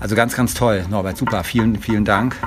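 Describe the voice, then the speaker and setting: Noticeable background noise sits behind a man's fairly low, fairly evenly intoned voice. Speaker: physician and podcast host. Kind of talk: casual interview. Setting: outdoors on a beach.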